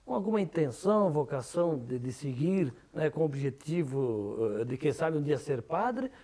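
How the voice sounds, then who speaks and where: A man's voice: a little high, animated, moderate pace, warm tone. A man, hosting a TV interview in a conversational way. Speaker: TV interview host.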